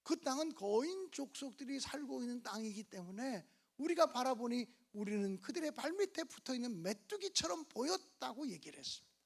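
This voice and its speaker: Woman guest preacher, high and highly expressive, dramatic revival sermon. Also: fairly quick, gravelly, breathy edge. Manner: dramatic, acting out biblical scenes with sudden rises in pitch and loudness. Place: church.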